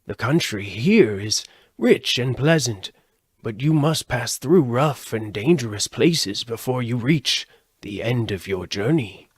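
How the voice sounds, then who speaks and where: A man's voice: mid-range voice, lively intonation, slow pace, husky, dry recording. A man voicing a grave, cautious country dweller from a storybook, giving solemn warnings. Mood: grave, cautioning. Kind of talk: storybook character voice.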